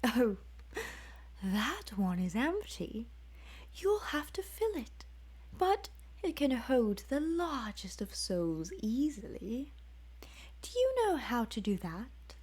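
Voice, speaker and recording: A woman voicing a cold, mocking male Dremora demon with a put-on British accent, speaking softly and half-whispered. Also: on the high side, big pitch swings, slow pace, slightly rough, voice pushed up, full character voice. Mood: coaxing.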